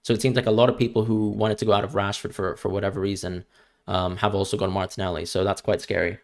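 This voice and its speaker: Talking fast with a flat delivery and a lowish voice, a young man from Hong Kong with an international school accent answers viewers' questions in a casual live-stream chat. He's chatty, frequently stumbling over repeated words when starting sentences.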